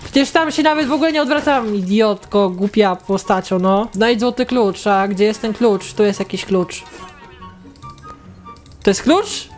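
A young woman hosting a gaming channel, giving excitable casual commentary as she plays, swearing at the game and talking to her viewers. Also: mid-range voice, normal speed, few pauses, soft background music.

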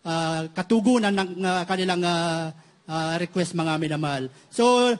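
A man with a strikingly high voice gives a church testimony in a halting way, restarting words and pausing to address his listeners fondly. He is middle-aged and from the Philippines. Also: smooth. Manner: halting, repeats "mga minamahal" constantly, many restarts. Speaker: church member giving testimony.

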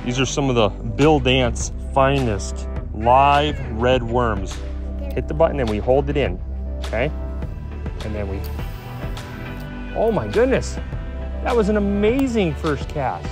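A middle-aged man talks casually into an action camera outdoors, full of enthusiasm and encouragement. His voice sits at a middle pitch, with music playing clearly behind him. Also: animated, measured pace, long pauses. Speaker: e-bike reviewer, father. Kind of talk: casual on-camera talk while riding and fishing. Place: outdoors, suburban streets and lakeside.

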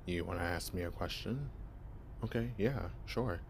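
A young male voice actor plays a shy, clueless vampire in an ASMR roleplay, stammering nervously while pretending to be human. He sounds flustered and awkward, his low, creaky voice at normal speed with a little hiss or hum.

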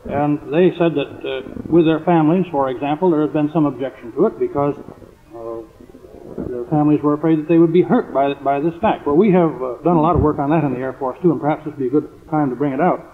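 Higher-pitched American man on noisy old radio. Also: quick pace. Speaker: military surgeon guest. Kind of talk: radio interview, explanatory. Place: convention hall radio interview. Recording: noisy, clicking, phone-like 1950s radio recording.

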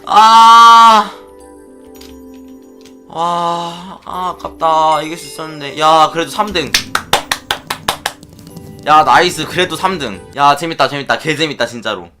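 A man giving excitable play-by-play commentary on his Minecraft minigames, often chanting and shouting as he plays. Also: fairly high pitch, moderate pace, over music. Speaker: gaming YouTuber.

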